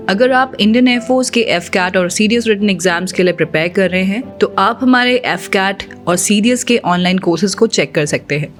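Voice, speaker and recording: A woman presenting a scripted informational video, speaking in a steady, informative way with many English terms mixed in. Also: medium pitch. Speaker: channel presenter. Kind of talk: scripted explainer narration.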